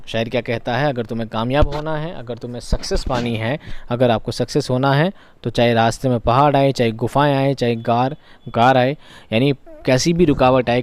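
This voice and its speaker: A man's voice: mid-range voice, a little mellow. A male teacher giving an exam revision lesson, asking questions aloud and repeating each key answer for his students.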